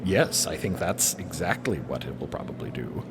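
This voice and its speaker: A man's voice: rumbling low, very animated, background noise, pitched below the performer's own voice, heavily acted. A man playing a courtly, earnest explorer in an audio drama, speaking formally and with encouragement. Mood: thoughtful. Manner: formal, measured, wordy.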